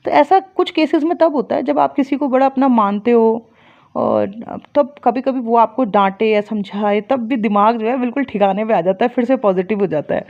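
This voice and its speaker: A woman's voice: a little high, moderate pace. A woman, a spiritual healer and astrologer, giving casual advice and telling stories with rising energy. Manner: explains plainly, rises into lively storytelling. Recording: dull lo-fi recording.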